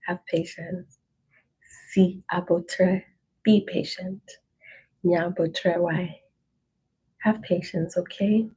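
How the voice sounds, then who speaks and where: A woman teaching a language lesson, reading through an ebook page by page and slowly repeating phrases to encourage learners. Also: lowish voice, warm tone, husky, low-quality recording.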